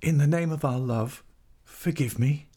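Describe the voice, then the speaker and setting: A man's voice: a little high, measured pace, mellow, slightly rough, pitched above the performer's own voice. A man voicing a desperate, pleading young wife, devoted and frightened, in a dramatic audiobook reading. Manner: imploring, emotional.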